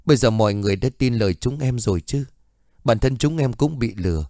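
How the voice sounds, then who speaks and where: A man's voice: medium pitch, animated, a little fast, mellow, no echo, clean studio sound, lightly acted. A man reading a story and voicing a woman psychic who leads a team and talks in a persuasive, exclamatory way. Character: smooth-talking woman psychic leading a team.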